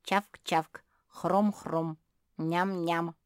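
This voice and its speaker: A woman's voice: mid-range voice, expressive, takes it slowly, no echo, clean studio sound, pitched above the performer's own voice. A woman voicing a sly, stubborn black female pug with a sweet tooth in a children's audiobook, denying everything with her mouth full.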